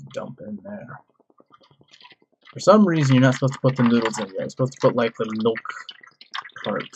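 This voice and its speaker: Speaking at medium pitch, a man sounds bored yet keeps a lively intonation. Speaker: food vlogger. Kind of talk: casual vlog commentary while cooking. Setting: apartment at night. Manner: deliberately quiet, kept voice down; sounds bored, low energy.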